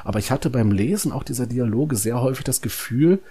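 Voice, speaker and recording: A man talking casually and critically about a book as a podcast panelist, often halting and rephrasing. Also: mid-range voice, animated, warm tone, breathy edge.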